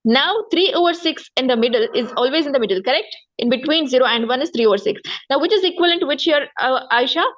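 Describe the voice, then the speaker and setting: This maths teacher is a woman with a high-pitched voice and a South Asian accent, heard through slightly dull, lo-fi audio. She talks expressively at a quick pace with few pauses, explaining step by step. Key points get repeated, and she keeps slipping in short questions to check understanding.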